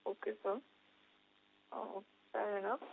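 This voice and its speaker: A woman's voice: mid-range voice, flat delivery, unhurried, creaky, heavy background noise. A woman, an analyst putting a prepared question on an earnings call. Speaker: analyst caller. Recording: dry, narrow telephone line.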